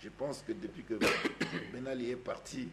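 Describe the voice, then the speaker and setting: A man speaks at a fairly slow pace with lively intonation and a somewhat breathy voice. Audible room echo surrounds him. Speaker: TV panelist. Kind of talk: TV panel debate.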